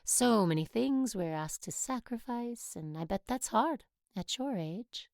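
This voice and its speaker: A woman playing a stern, controlling Catholic nun who teaches, speaking in a measured, formal way in an audio drama. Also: a little high, animated, creaky, a little mellow, no echo, clean studio sound. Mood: softly confiding.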